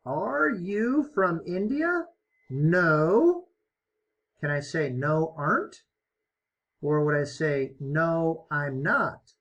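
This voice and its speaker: A man leads an online English lesson, guiding learners through each answer with slow, patient encouragement. His voice is fairly high and swings up and down a lot. It has a husky edge. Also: big pitch swings, fairly bright tone, lo-fi sound. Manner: slow, encouraging, explains step by step. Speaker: ESL teacher.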